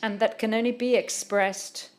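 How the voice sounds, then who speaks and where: A woman interpreting a literary panel talk live, speaking haltingly with frequent pauses and restarts. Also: a little high, steady tone.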